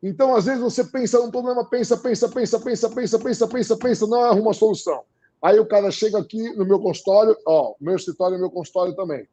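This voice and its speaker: A man talking casually in an interview, with a Brazilian Portuguese accent. He talks in an animated way, repeating phrases for emphasis and acting out what others said. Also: high-pitched, fast. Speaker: guest.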